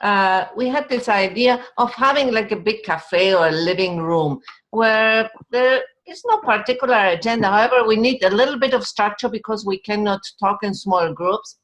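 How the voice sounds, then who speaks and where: Brief: female host from Argentina, welcoming moderator on a video call, mid-pitched. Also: normal speed, fairly bright tone, rough recording.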